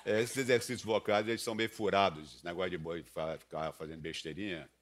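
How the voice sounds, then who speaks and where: A man, a voice specialist guest answering interview questions slowly and earnestly. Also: sits low.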